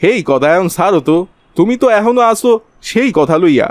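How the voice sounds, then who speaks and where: Man playing a scheming village conman, high-ish voice. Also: expressive, a little fast, dry recording. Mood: urgent. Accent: rural Bangladeshi. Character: scheming male village conman spreading virus rumours for profit. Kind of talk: cartoon character acting.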